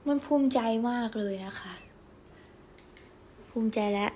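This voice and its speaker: A young woman hosting a casual livestream from home, telling stories in a chatty, giggly, animated way. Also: a little high, unhurried, a little hiss or hum. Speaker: idol livestream host.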